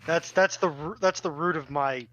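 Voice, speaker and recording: A man's voice: on the high side, moderate pace, a bit bright, no echo, lo-fi sound. A man chatting casually on a panel as a self-described layman, somewhat hesitant and self-deprecating. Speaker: panelist giving layman's takes. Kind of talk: casual chat.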